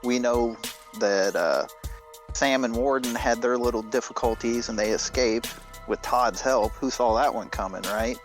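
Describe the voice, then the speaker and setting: A man's voice: medium pitch, a little slow, soft background music. A man recapping a story as a podcast guest, in a casual, wry way. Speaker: podcast guest, writer and editor.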